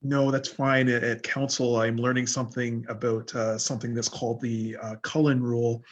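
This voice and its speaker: A man's voice: medium pitch, little pitch movement, moderate pace, highs cut off. A man moderating a panel discussion, hesitant, with many filler sounds.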